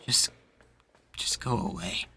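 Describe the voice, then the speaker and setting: In an ASMR roleplay, a man plays a rebel leader who is troubled and full of self-doubt. His delivery is hushed and halting, and the mood is defeated.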